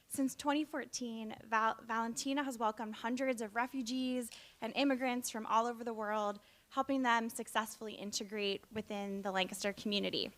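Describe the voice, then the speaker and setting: A woman's voice: fairly high pitch, a bit bright. A woman hosting an event, giving a prepared welcome and introduction. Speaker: host, executive director introducing a speaker.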